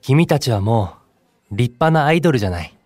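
In a Japanese audio drama, an actor plays a kind, composed young male idol who speaks as a friendly, encouraging senior using gentle wording. His medium-pitched voice is sing-song and fairly quick. The recording is dry.

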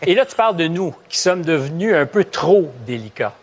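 A man with a Québécois accent hosting a studio panel debate, lively and probing, joking with his guests. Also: fairly high pitch, normal speed. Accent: Québécois French. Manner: lively, asks probing questions, jokes with guests. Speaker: talk show host. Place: TV studio with live audience.

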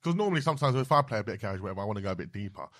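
A man's voice: on the low side, animated, rapid-fire, fairly bright tone, dry recording, studio quality. A man with a London accent chatting casually in slangy, sweary street talk. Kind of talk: casual chat.

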